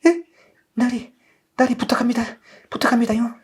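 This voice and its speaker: A man's voice: very high voice, normal speed, slightly rough, pitched above the performer's own voice. A man voicing a timid, servile squire who pleads and grumbles in a whiny way in a storybook tale. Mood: pleading, flustered.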